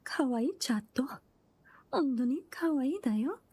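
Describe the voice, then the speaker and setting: A woman's voice: high-pitched, expressive, unhurried, mellow, breathy edge, pitched above the performer's own voice, full character voice. A woman voicing a flirty, doting anime big-sister character, teasing and cooing in a cutesy way. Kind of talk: anime roleplay for stream viewers.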